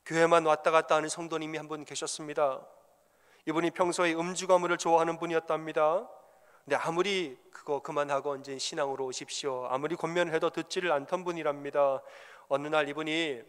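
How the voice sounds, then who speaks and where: A pastor preaches with emphatic repetition and tells stories. His voice is fairly high for a man. It rings out in a reverberant church sanctuary. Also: a bit bright, clean tone. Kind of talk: sermon.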